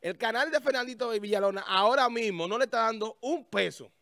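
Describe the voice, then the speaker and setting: A man hosts a casual studio talk show, speaking high in his range into a stand mic. The sound is dry and close. He thinks out loud, restarting phrases while he looks things up. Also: a little fast, no echo. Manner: talks while searching a website, thinking aloud with restarts. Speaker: show host. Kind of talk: casual on-air chat. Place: small studio with a festive desk.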